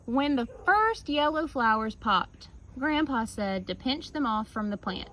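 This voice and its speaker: A woman with a slightly high voice reads a children's story aloud in the manner of a teacher. She stretches key words for emphasis and drops in casual asides. There is some faint noise behind her. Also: lively intonation, unhurried, bright, forceful tone. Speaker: teacher reading a picture book aloud.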